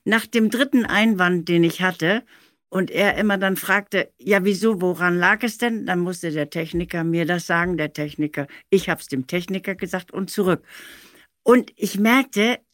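An older woman recalling studio work in an animated, anecdotal way, with emphatic stress on key words. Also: fairly low pitch, normal speed, no room sound. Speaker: audio drama director recalling studio work.

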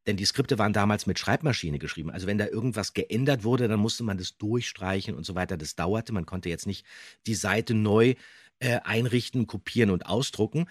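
A man's voice: fairly low pitch, fairly bright tone, slightly rough, dry recording, studio quality. A man hosting a podcast, talking conversationally and emphatically about radio drama history. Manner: enthusiastic, emphatic. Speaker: podcast host and voice actor.

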